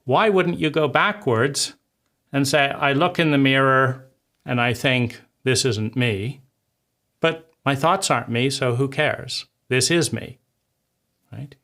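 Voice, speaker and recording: A man of middle pitch talks through his critique of a book in loose, unscripted commentary. He argues point by point, restarting sentences and tagging them with a rhetorical "right?". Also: slow, a bit bright. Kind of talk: casual spoken commentary.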